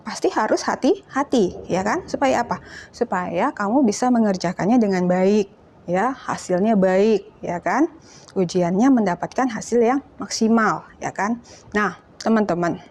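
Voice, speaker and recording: A young woman teaching a children's church lesson, lively and playful, often acting out whiny children's voices. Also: mid-range voice. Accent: Indonesian. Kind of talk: children's Sunday school lesson.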